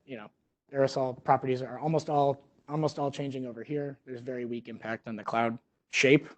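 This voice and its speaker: A young man delivers a technical seminar talk in a mid-pitched voice. He explains things informally, feeling his way through some phrases as a research scientist would when talking through slides. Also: darkish tone.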